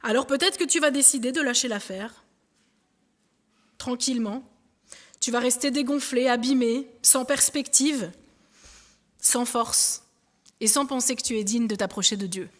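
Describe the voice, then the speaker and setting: A woman with a high, bright-toned voice preaches in a relaxed, conversational way, turning to a helper and then to the congregation. Her words ring out with a long reverb, as in a church hall. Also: measured pace, pauses often. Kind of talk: sermon illustration with a balloon.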